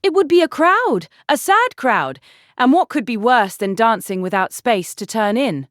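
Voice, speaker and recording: A spirited young gentlewoman, protesting in emphatic, well-formed phrases. The voice is high and very animated, with a dry, close sound suited to a full-cast period audiobook. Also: unhurried, no room sound. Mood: emphatic objection.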